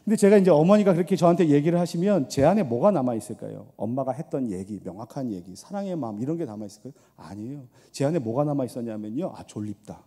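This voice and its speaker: A middle-aged man preaching a sermon as pastor, swinging between loud appeals and hushed asides, with rhetorical questions and storytelling, in a church sanctuary. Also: medium pitch, animated, fast talker, hardly any pauses. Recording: long church hall reverb.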